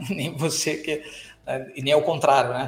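Male speech at a middling tempo, its pitch shifting in a normal way, against clear background noise. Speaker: podcast co-host on digital marketing management. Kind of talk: casual chat. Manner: loud.

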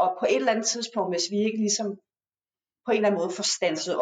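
A woman at a very fast pace, with a fairly high pitch and ordinary pitch variation. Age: 40s. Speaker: family therapist and author. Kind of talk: interview. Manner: halting.

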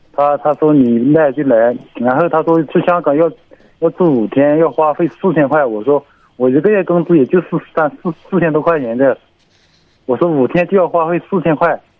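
A man with a plain, everyday voice and a fairly high pitch speaks at a moderate pace. His pitch variation is ordinary. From Hunan, China. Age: 20s. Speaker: caller, former sales and factory worker. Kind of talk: phone-in advice call. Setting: phone call.

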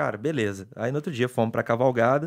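The recording is very clean, with a silent background. A man with an unremarkable speaking voice talks at a moderate pace with ordinary pitch variation. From Minas Gerais, Brazil. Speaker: sports journalist. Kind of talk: casual chat.

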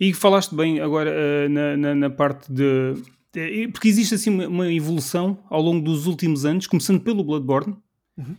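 In a very clean recording with a silent background, a man with a fairly high pitch talks at a moderate pace. It is an ordinary speaking voice with ordinary pitch variation. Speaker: gaming podcast host. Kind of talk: casual chat.

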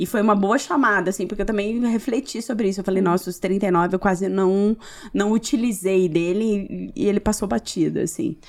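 A woman speaks with an ordinary speaking voice at a medium pitch. Her pace is moderate and her pitch variation is ordinary. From Foz do Iguaçu, Paraná, Brazil. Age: 40s. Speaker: events and marketing professional. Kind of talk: casual chat.

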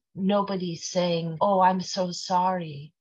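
The voice is somewhat breathy. It belongs to a woman speaking at a medium pitch. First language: German. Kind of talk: spoken prayer. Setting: online call.

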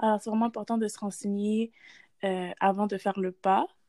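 A woman speaks in a medium-pitched, dark and mellow voice, fairly slowly and in a monotone with flat intonation. The recording is very clean with a silent background and a dry, close sound with no echo. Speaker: respiratory therapist. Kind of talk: interview.

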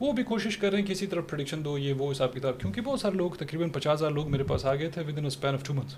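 Lively in intonation and fairly high in pitch, a man speaks through noticeable background noise. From Pakistan, Quetta. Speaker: podcast guest, commentator. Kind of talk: casual chat.

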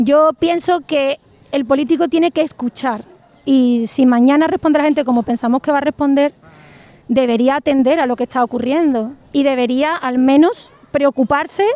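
A woman speaks at a high pitch. Background noise is noticeable. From Andalusia, Seville province. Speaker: opposition town councillor. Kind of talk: political statement in interview.

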